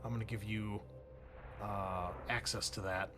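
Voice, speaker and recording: A man working as game master, narrating a tabletop roleplaying game in a halting, conversational way. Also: lowish voice, level tone, over music.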